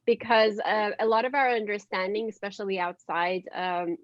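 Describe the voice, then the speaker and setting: A woman panel guest explaining casually, halting as she searches for her words. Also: mid-range voice, no echo. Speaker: panel guest, dramaturgy collaborator. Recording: dry but dull call audio.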